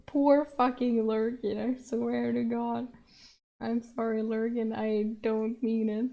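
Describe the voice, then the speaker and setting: A woman's voice: fairly high pitch, flat delivery, takes it slowly, creaky, muffled recording. Giggly woman reading a novel aloud. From Sweden. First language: Swedish. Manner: giggly, breaks off to laugh and comment. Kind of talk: novel reading with chatty commentary.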